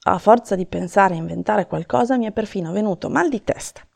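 A woman voicing a tired old Santa Claus in a storybook reading, gloomy, gentle and weary. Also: medium pitch, fairly quick, creaky.

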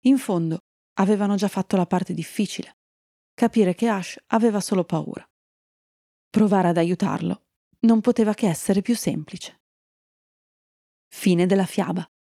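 A woman storyteller gently reading a fairy tale to children and chatting kindly with her young listeners. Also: on the low side, no room sound, clean studio sound.

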